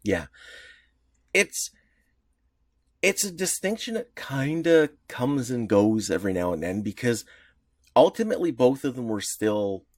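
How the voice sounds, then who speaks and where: A man's voice: medium pitch, sing-song, measured pace, pauses often, no echo, studio quality. A man co-hosting a podcast who chats casually, laughs often and chimes in with short agreements. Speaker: podcast co-host. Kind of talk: casual chat about comic history.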